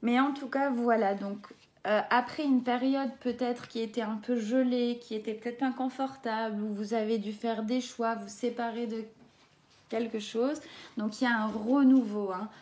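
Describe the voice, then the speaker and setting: French woman, oracle reader, mellow and a bit high, gentle and halting. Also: steady tone. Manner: gentle, hesitant, many fillers. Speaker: tarot and oracle card reader. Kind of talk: reading oracle card texts and commenting.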